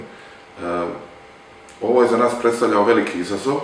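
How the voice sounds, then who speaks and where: Noticeable background noise and audible room echo, with speech at a moderate pace. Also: man. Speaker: marina director. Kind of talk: interview.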